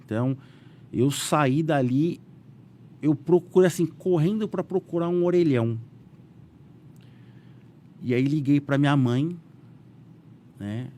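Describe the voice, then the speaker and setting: A man's voice: slow pace, pauses often, slight background noise. A businessman with a Brazilian Portuguese accent, a guest telling his story animatedly in a casual interview and acting out quotes. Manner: animated, voices quotes with raised pitch, frequent "né?" fillers.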